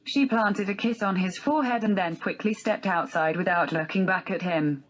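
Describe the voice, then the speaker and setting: A synthetic text-to-speech woman's voice reading a novel aloud as scripted narration, with a flat synthetic delivery. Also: medium pitch, moderate pace, low-quality recording.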